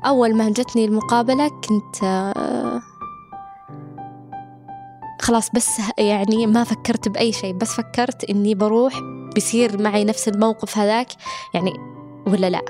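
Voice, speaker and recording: A young woman in her twenties recounting a personal experience casually, hesitant and full of fillers. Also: medium pitch. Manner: hesitant, many fillers and restarts. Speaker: interviewee.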